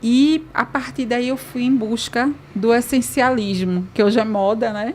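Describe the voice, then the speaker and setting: Against noticeable background noise, a woman with a northeastern Brazilian accent speaks slowly-ish at a fairly slow pace and fairly high pitch, with ordinary pitch variation. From Northeast Brazil, Recife, Pernambuco. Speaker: people and business strategist. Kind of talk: interview.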